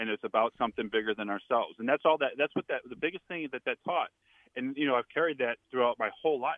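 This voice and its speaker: With a Midwestern US accent, a man speaks very fast at a medium pitch with ordinary pitch variation. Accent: US Midwest. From Indiana. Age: 50s. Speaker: former football player and farmer. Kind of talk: casual interview. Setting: phone call.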